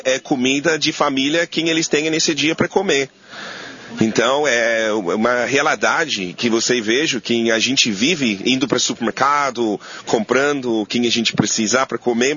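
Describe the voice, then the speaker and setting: Halting New chef speaking Portuguese. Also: male voice, medium pitch, pushed and bright, husky, highs cut off. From New Zealand. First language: English. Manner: halting, searching for words in Portuguese. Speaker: chef guest. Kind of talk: casual interview.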